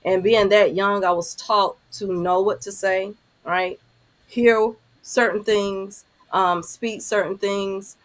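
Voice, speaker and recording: A woman in her fifties with a deep voice, speaking earnestly as a panelist on a video call. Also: fairly even intonation, takes it slowly. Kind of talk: candid panel talk.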